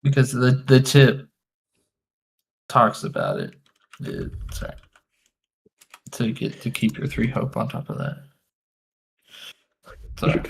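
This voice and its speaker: A man's voice: mid-range voice, huge pitch swings, takes it slowly, vocal fry, pauses often, a little hiss or hum. A man playing in a tabletop game, chatting casually and correcting himself. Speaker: player.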